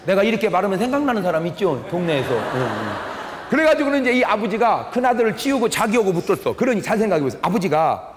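An older man preaching a humorous revival sermon as a pastor, telling folksy stories, quizzing the audience and acting out family quarrels. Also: high-pitched. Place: large church hall. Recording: echoey hall with long reverb.

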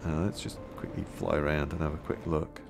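A man musing aloud as he plays a game, his voice a little hoarse, with many fillers. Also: extremely low pitch, level tone, a little fast, music in the background. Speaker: gameplay video host. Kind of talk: casual gameplay commentary.

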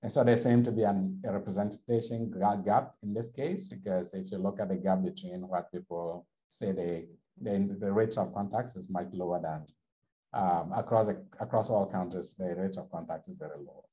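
A man's voice: sits low, steady tone, moderate pace, warm tone, low-quality recording. A man presenting survey findings over slides in a webinar, explaining steadily with frequent restarts.

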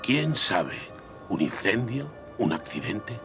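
A man voicing a gruff, protective old grandfather in a Castilian Spanish cartoon dub. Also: on the low side, very animated, takes it slowly, music in the background, heavily acted. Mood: concerned. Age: older. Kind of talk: animated series dubbing.

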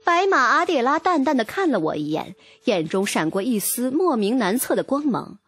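High, husky woman narrating an audiobook. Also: very animated, moderate pace, a bit bright, no room sound, soft background music. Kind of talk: expressive first-person audiobook narration.

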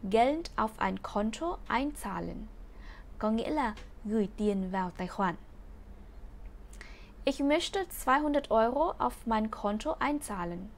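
Slow, clear woman teaching vocabulary. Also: a little high. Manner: reads example sentences slowly and repeats them. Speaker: language teacher. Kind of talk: bilingual vocabulary lesson.

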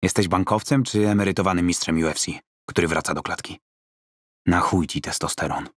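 A weary middle-aged fight trainer, played by a male audiobook narrator. The voice is low and recorded very dry. He talks bluntly and curtly, gruff and quick to swear. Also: dry recording. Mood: exasperated.

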